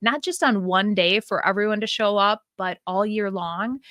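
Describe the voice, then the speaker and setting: Loud and bright with a sharp tone, a woman speaks at a fairly high pitch and a fairly slow pace, with a dry, close sound, no echo, and a very clean recording with a silent background. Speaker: podcast host, small business owner. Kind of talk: casual chat. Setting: home recording, one shared microphone.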